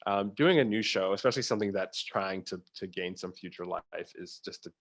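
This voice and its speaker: A man's voice: low-pitched, brisk. A man speaking as an interview guest, casual and anecdotal, dropping little quoted asides into his explanations. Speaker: theatre producer, interview guest.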